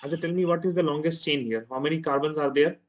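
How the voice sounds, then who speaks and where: South Asian male tutor, slightly high voice. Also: fairly even intonation, fast, muffled recording. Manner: repeats phrases, checks understanding with questions. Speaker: chemistry teacher. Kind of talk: informal one-to-one tutoring.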